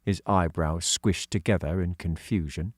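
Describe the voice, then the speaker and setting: A man's voice: low voice, a little slow, no echo, clean studio sound. A man reading scripted story narration as an audiobook narrator.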